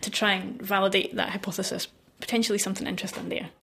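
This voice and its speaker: A woman talks at a very fast clip with a medium pitch. Background noise is clearly audible. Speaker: linguist. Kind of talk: interview explaining research.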